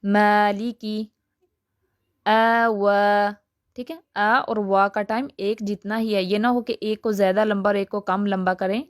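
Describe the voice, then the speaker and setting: A woman teaching a recitation lesson, patiently explaining rules and slowly drawing out example sounds. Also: mid-range voice, fairly even intonation, dry recording, clean studio sound. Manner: patient, repeats "theek hai" to check understanding.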